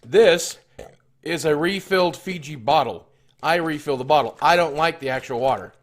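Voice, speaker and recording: Halting man chatting on a stream. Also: fairly high pitch. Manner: reads chat and tallies costs aloud, halting with fillers. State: chewing cough drops, clearing throat. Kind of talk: casual live-stream chat.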